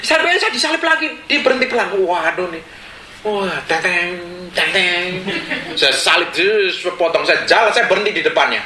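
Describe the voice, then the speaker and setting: A pastor, preaching with animated storytelling and acting out the people in his stories. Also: high voice, quick pace, hardly any pauses. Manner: animated, acts out quotes and laughs along. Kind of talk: storytelling sermon. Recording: echoey room with faint ambience.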